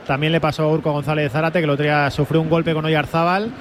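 A man's voice: on the high side, little pitch movement, fast talker. A man with an accent from Spain giving live match detail and explanation as a radio co-commentator. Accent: Spanish from Spain. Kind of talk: live match analysis and information. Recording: clear stadium noise behind.

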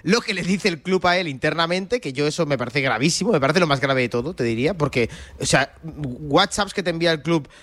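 Higher-voiced man in a dry studio. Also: lively intonation, fairly bright tone, no room sound. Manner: halting, repeats words while explaining. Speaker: sports pundit. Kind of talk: spontaneous football discussion.

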